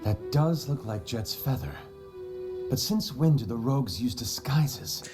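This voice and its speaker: An actor voicing a serious, level-headed male chameleon ninja detective in a dry, terse, measured way. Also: medium pitch, animated, music in the background, close to an everyday voice.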